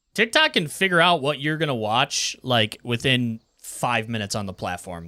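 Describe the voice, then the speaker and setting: A man with a medium pitch and a bright, sharp tone speaks at a moderate pace, his pitch swinging very widely. The recording is very clean, dry and close with no echo, over a silent background. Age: 30s. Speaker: gaming streamer. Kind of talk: casual chat.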